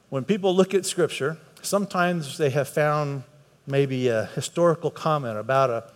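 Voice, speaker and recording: An earnest man delivers a conversational sermon, his somewhat raised voice climbing whenever he leans on a point. He repeats words and phrases for emphasis. His voice carries with a long reverb through a church hall filled with a congregation. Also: on the high side. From United States. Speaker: preacher.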